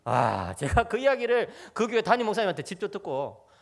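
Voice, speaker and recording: A man preaches a sermon in a church, his voice pitched high for a man. His pitch leaps and dips with each turn of his story, and he keeps calling out to the people in the pews. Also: a little fast, vocal fry. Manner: animated storytelling, often addressing the congregation. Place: church sanctuary.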